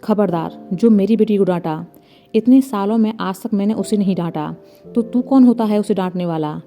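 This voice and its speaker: A firm, protective middle-aged mother with a scolding manner, voiced by a woman narrator in a storybook reading. The voice is warm and mellow. Faint music plays in the background. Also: mid-range voice, normal speed, close to an everyday voice.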